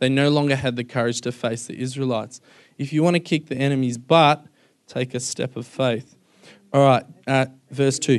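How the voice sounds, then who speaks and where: A man speaks with fairly even intonation in a medium pitch at a moderate pace, over a quiet background. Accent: Australian. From Australia. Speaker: pastor. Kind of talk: sermon.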